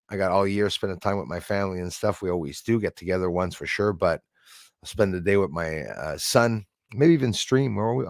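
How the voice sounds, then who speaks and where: Rambling man in his sixties, low voice. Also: vocal fry, no room sound, studio quality. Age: 60s. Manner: rambling, chatty, thanks viewers by name. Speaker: live stream host. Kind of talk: casual live-stream chat with viewers.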